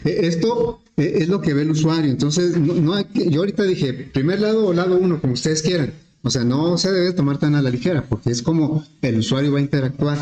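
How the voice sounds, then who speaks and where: A male teacher explaining an algorithm step by step in a relaxed lesson, with frequent fillers. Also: on the high side, a little fast, few pauses. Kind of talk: programming lesson. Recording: echoey classroom with faint noise.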